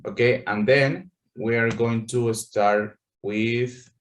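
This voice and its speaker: A man's voice: mid-range voice, fairly even intonation, slow. A man teaching an English class over a video call, patient and full of fillers, checking in with "okay" often.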